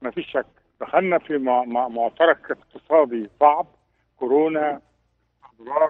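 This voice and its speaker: A man at a fairly slow pace, with long, frequent pauses, fairly high pitch and ordinary pitch variation. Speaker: lawyer and senator. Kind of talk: interview. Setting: phone call.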